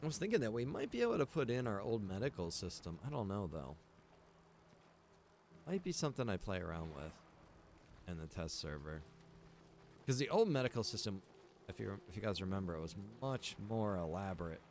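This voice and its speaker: Low-voiced man rambling over a game stream. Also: big pitch swings, fairly quick, long pauses, slight background noise. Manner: rambling, thinking out loud. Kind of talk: casual livestream gameplay commentary.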